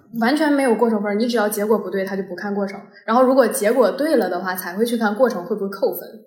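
A woman speaks very fast, with audible room echo and noticeable background noise around her. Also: fairly high pitch for a woman, ordinary pitch variation. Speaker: former exchange student. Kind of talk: casual interview chat.

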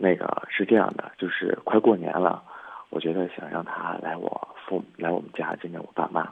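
Whispered speech from a man at a moderate pace, set against noticeable background noise. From Hebei, Xingtai. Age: 20s. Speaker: caller, bank employee. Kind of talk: phone-in personal problem. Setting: phone call from home. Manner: soft-spoken; hesitant.

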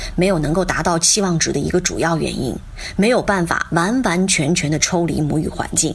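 Noticeable background noise accompanies a woman talking at a fairly quick pace in a medium-pitched voice. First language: Chinese. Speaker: podcast host. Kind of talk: scripted narration.

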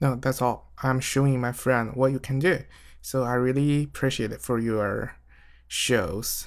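A man speaks at a medium pitch with a Chinese accent and fairly even intonation. The recording is very clean, with a silent background. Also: fairly slow pace. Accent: Mandarin Chinese accent in English. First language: Mandarin Chinese. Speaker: tech app reviewer. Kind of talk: practice conversation with AI chatbot; casual app demo tutorial. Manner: halting.

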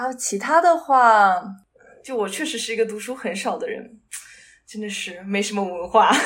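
A woman speaks with lively intonation. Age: 20s. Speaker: software engineer. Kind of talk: casual chat.

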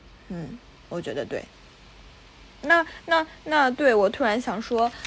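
A woman speaks at a fairly slow pace with a fairly high pitch, taking long, frequent pauses. Her pitch swings very widely, her loudness shifts a lot, and there's noticeable background noise. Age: 20s. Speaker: podcast host. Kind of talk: solo monologue, imagined dialogue with future self. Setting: indoors with a fan. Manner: halting, many fillers.

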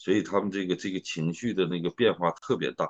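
A man's voice in a dry, close sound with no echo against a quiet background. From Inner Mongolia, Hulunbuir. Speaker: documentary director. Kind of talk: post-screening Q&A talk. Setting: online screening event. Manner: halting, many fillers.

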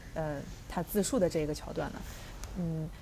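A woman talks at a moderate pace, her tone dark and mellow and somewhat breathy. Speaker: podcast host. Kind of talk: casual chat.

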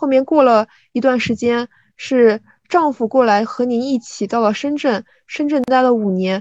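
A voice with ordinary pitch variation sits over a quiet background. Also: woman, dry, close sound with no echo. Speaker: student interviewer. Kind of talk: interview.

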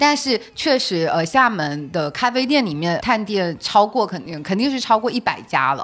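At a moderate pace, a woman talks. Her pitch swings very widely. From Longyan, Fujian, China. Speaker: coffee shop explorer. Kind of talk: casual chat.

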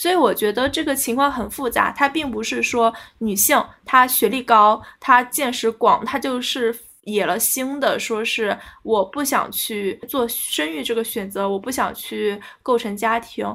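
Captured in a very clean recording with a silent background, a woman talks fairly slowly in a bright, sharp tone at fairly high pitch. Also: ordinary pitch variation. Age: 20s. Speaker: podcast host. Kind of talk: casual chat.

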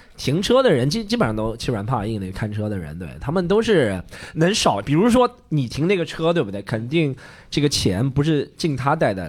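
A man speaks at a fairly quick pace with a fairly high pitch and very wide pitch swings. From Shanghai (Yangpu). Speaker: stand-up comedian. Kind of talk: casual chat. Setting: stage with audience.

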